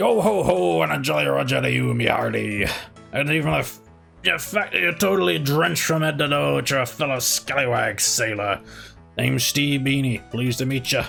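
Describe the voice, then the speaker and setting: Over clear music in the background, a man does a put-on character voice at a medium pitch and moderate pace. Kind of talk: pirate talk, jolly and theatrical. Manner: jovial, greeting.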